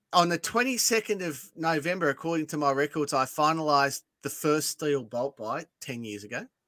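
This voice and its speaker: With an Australian accent, a man talks at a moderate pace with hardly any pauses, using lively intonation and a fairly high pitch in a bright, sharp tone, the sound dry and close with no echo. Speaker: podcast host. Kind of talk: casual chat. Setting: video call.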